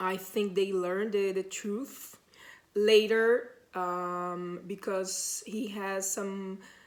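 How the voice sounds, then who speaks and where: A woman with a Portuguese accent speaks very slowly in a monotone, flat intonation. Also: medium pitch for a woman. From Brazil, Salvador, Bahia. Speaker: ex-Jehovah's Witness YouTuber. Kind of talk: personal testimony monologue. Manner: halting, searching for words.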